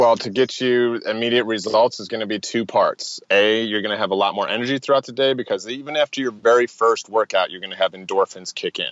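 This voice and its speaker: Speech races at a very fast pace with hardly any pauses, fairly even intonation and big swings in loudness. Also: man, medium pitch for a man. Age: 30s. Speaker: personal trainer. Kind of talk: casual interview.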